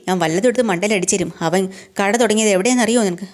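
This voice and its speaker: A woman's voice: mid-range voice, very fast, darkish tone, lightly acted. A woman voicing a hot-tempered middle-aged husband. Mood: angry. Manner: gruff scolding.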